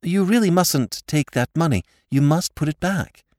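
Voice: medium pitch, expressive, normal speed, a little mellow, dry recording, clean studio sound, pitched above the performer's own voice, natural voice. A reader voicing an earnest young woman who pleads and soothes. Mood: soothing. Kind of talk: audiobook character voice.

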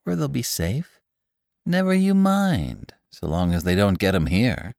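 A narrator puts on a mercenary country woodman with a gravelly, blunt voice. His speech bounces with lively pitch, recorded dry. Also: measured pace, no room sound. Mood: brisk. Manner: blunt, scornful.

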